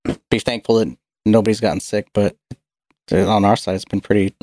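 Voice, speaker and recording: A man co-hosting a podcast in casual chat, speaking haltingly and stuttering, with low energy. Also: fairly even intonation, a little mellow, no room sound. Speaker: podcast co-host.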